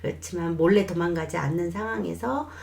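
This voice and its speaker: A woman who is a child development expert, calmly explaining parenting advice in a lesson and sometimes acting out what a mother might say. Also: lowish voice, fairly quick, gravelly. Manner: calm, reassuring explanation with acted quotes of mothers.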